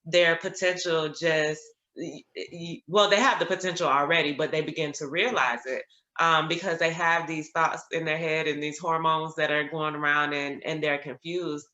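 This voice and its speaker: A woman's voice: low-pitched, moderate pace, roomy sound, dull audio. A woman attorney hosting an interview show, chatting and telling stories with plenty of ums. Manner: chatty, many ums, animated when quoting others. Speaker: attorney, podcast host. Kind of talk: conversational storytelling.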